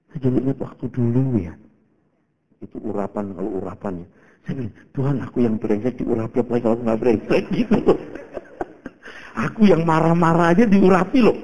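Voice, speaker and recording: Man in his fifties, pastor, sermon, gravelly, mellow dark voice, animated storytelling. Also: mid-range voice, fairly quick, pauses often, rough recording. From Indonesia. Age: 50s. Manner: animated storytelling, shifts between loud exclaims and hushed prayer; casual colloquial, addresses congregation as saudara.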